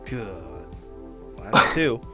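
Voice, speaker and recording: A man's voice: on the low side, big pitch swings, slow pace. A man chatting casually as a player in a tabletop role-playing game. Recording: music behind the voice.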